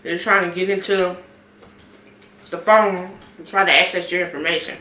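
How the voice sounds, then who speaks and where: A woman's voice: lowish voice, steady tone, normal speed, bright, forceful tone, roomy sound. A woman, chatting casually on her eating vlog and telling a story with frequent laughs. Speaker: mukbang vlogger. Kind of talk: casual chat while eating.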